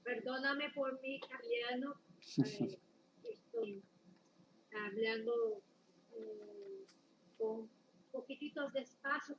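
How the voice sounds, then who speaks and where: A woman from Paraguay with a strong Paraguayan accent, a missionary speaking on a church live stream, often pausing and searching for words. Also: sits high, vocal fry, far from the mic, dull audio, slight background noise.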